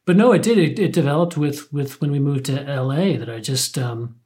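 A man's voice: on the high side, fairly quick, darkish tone. A man guest, a playwright and poet, speaking thoughtfully in a casual interview, with frequent hesitations and restarts.

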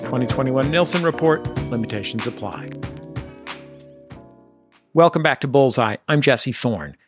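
A man hosting a radio interview show, asking questions in a measured, dry way and reading announcements. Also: medium pitch, lively intonation, over music. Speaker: radio host.

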